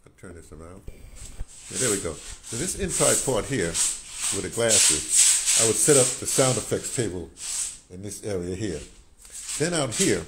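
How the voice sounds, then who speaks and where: In this casual walk-and-talk vlog, an older man who vlogs on audio drama speaks in a fairly low, sing-song voice, unhurried and with long pauses. Gesturing, rambling and repeating words, he moves from his small home to a sunny patio. It's a phone recording at arm's length with clear background noise.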